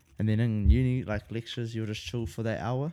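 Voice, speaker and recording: In a New Zealand accent, a man speaks at a moderate pace and medium pitch with a dark, mellow tone, the sound dry and close with no echo. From West Auckland, New Zealand. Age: 20s. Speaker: vintage clothing reseller and university student. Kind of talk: casual chat.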